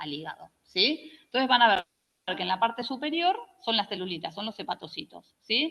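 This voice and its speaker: A fairly high-pitched woman's voice, bright and sharp in tone, with very wide pitch swings. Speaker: medical lecturer. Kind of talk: lecture. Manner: fast.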